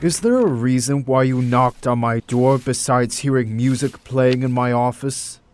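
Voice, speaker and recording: A man's voice: medium pitch, unhurried, a little mellow, slight background noise, lightly acted. A man playing a wistful, secretive doctor in an audio drama, theatrical and evasive, with an air of authority. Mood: composed.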